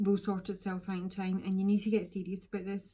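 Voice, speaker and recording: A woman's fairly quick, somewhat breathy voice, medium in pitch, with a dark, mellow tone. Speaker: tarot reader. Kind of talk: tarot reading monologue. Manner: fast; hesitant with fillers.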